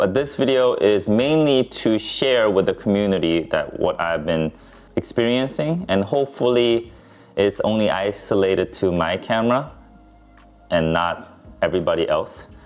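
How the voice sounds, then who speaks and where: A man speaks at a moderate pace in a medium pitch, his loudness very even. His intonation is lively, with music playing in the background. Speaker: photographer. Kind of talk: casual talk to camera. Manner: halting, some stuttering.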